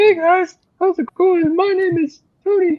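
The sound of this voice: The voice is a put-on character, extremely high-pitched and squeaky. Its delivery is fairly slow.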